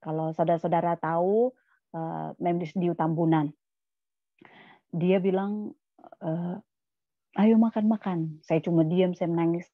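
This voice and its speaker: A woman's voice: lowish voice, level tone, unhurried, pauses often, no room sound, narrow, tinny audio. A woman, a guest speaker at a church service, telling a personal story in a plain, repetitive way, often restarting phrases and quoting others. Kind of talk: testimony sermon, storytelling.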